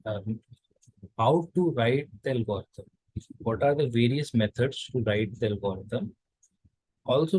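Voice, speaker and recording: A man's voice: mid-range voice, a little mellow, no room sound, poor audio. A man from India giving a recorded college lecture, explaining step by step with frequent fillers and restarts.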